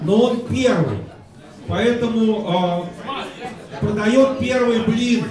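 A man's extremely high-pitched voice with ordinary pitch variation, audible room echo and noticeable background noise. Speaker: charity event host and auctioneer. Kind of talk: live charity event hosting with auction. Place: bar.

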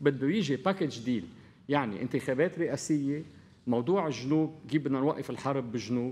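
A man with an unremarkable speaking voice talks at a moderate pace, his pitch fairly high and his pitch variation ordinary. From Lebanon. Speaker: business association leader; TV guest. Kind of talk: televised political debate. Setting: tv studio. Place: studio. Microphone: lapel.

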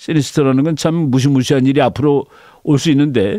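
A man's dark, mellow tone comes through dry, with no echo, against a quiet background. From South Korea. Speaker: international politics commentator; political commentator. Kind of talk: lecture. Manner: formal; halting. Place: studio. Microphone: studio mic.

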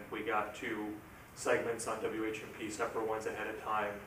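A man speaks at a fairly low pitch. Light background noise and audible room echo can be heard. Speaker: committee member. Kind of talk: public meeting; meeting discussion. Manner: halting. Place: meeting room. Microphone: camera far.

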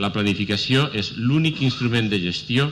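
A man's lively intonation at a moderate pace over light background noise. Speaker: university rector. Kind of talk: formal speech. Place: hall. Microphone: podium.

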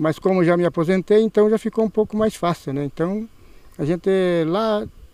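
A man speaks at a fairly quick pace in a high pitch with ordinary pitch variation, his dark, mellow tone sounding dry and close with no echo. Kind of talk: news interview.

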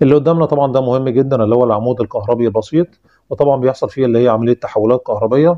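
A man speaks very fast with an Egyptian accent, his medium-pitched voice keeping a fairly even intonation. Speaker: science teacher. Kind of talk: lecture.

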